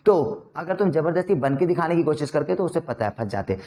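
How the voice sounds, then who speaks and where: A man's voice: on the high side, lively intonation, brisk, warm tone. A young man with an Indian accent giving a casual spoken lesson on job interviews, acting out both sides of the exchanges. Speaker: interview trainer.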